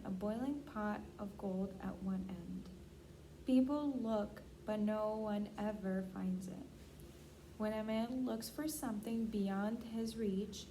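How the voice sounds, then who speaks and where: A woman with a mellow, mid-pitched voice responds and reads as a client in an assessment. Her delivery is plain, and a little noise sits behind her. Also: low-quality recording. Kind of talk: short answers and reading a passage aloud.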